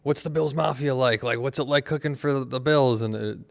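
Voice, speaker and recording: A man co-hosting a casual talk show, explaining things in a halting way and repeating himself. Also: mid-range voice, vocal fry. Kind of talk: casual chat.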